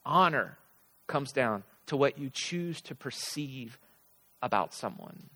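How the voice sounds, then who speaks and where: A man's voice: medium pitch, expressive, slow pace, bright, forceful tone. A man preaching a conversational sermon, emphatically repeating his key phrases for effect. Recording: large hall with long reverb.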